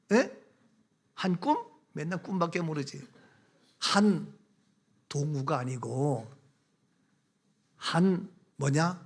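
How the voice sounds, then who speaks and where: A man's voice: sits high, sharp tone. A man preaching a sermon as pastor, emphatic, repeating key phrases and asking the congregation questions. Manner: acts out everyday quarrels in short quoted remarks.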